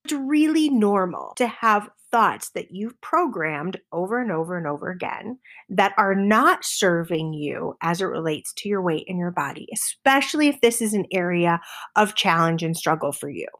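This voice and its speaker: A middle-aged woman hosting a motivational podcast, enthusiastic, sometimes dropping to a soft whisper for emphasis. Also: on the low side, animated, moderate pace. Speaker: podcast host.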